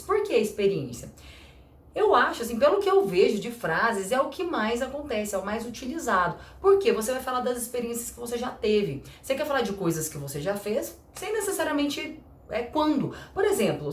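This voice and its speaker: Goias lady teacher explaining grammar, chatty, voice jumps around a lot, sounds echoey. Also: medium pitch. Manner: chatty, lively, acts out little dialogues, slows for example sentences. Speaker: English teacher. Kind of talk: casual explanatory lesson.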